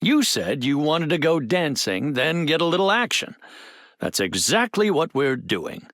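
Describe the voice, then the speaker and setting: Husband-hero role: oblivious genius, lightish pitch, hugely varied intonation, earnest and articulate. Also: male voice, sing-song, a little slow, fairly bright tone, heavily acted. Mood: puzzled, earnest. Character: brainy, well-meaning, oblivious hero husband. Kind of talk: video game voice acting.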